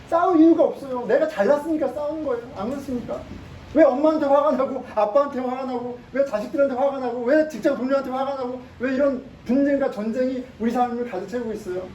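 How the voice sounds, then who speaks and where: A male pastor delivers a sermon in a mellow, darker voice, pressing his points and firing rhetorical questions at the congregation. He is picked up from some distance in a reverberant church sanctuary, with faint ambient noise underneath. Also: extremely high pitch, dull audio. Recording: echoey room, mic at a distance.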